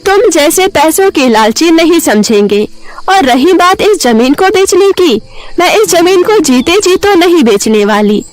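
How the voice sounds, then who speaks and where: A woman's voice: high voice, animated, measured pace, a little mellow. A woman voicing a kind but feisty old village woman in a children's story, motherly, plain-spoken and firm. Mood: indignant.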